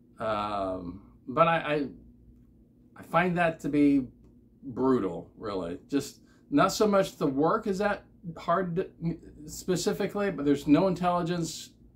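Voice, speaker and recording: A man talks at a fairly slow pace with long, frequent pauses. His pitch is fairly high, and his intonation is lively. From Florida. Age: 50s. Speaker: YouTuber, substitute teacher, army veteran. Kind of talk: casual vlog monologue. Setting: home video recording. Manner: halting, many fillers. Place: home room. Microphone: phone near.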